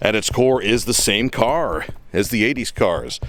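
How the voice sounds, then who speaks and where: Music plays in the background as a man speaks with an American accent. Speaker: car dealer. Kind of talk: sales pitch. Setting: outdoors.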